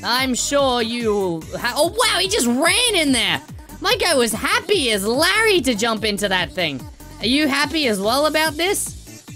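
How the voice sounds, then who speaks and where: An excitable woman giving playful let's-play commentary, with a high, lively voice that swings up and down. She keeps exclaiming and chatting to the characters on screen. Faint game music plays underneath. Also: measured pace. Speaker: gameplay commentator.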